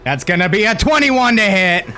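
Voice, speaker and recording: A man narrating a tabletop fantasy game as game master, casual and a little halting as he describes the action. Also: high-pitched, sing-song, bright, forceful tone, soft background music.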